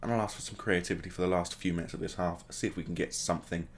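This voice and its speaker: A man's voice: low voice, steady tone, racing, a little hiss or hum. A man hosting a gaming video, casually commentating the play as it happens and adding joking asides. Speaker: gaming channel host.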